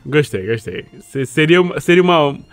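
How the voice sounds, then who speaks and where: A man co-hosting a casual podcast, answering in a laid-back, dry way. His voice sits a little high. Faint music runs underneath. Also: expressive, moderate pace, fairly bright tone. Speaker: podcast co-host.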